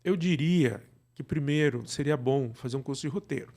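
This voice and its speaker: A man's voice: medium pitch, moderate pace, darkish tone. A man with a Brazilian Portuguese accent, an interview guest chatting casually and giving advice in a colloquial, wandering way. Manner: colloquial, digressive, often seeking agreement with tags. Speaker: interview guest, radio drama creator.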